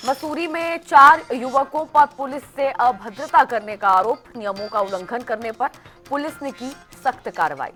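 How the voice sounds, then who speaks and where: A woman news anchor reading a headline bulletin in a brisk delivery. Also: high voice. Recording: faint music bed behind.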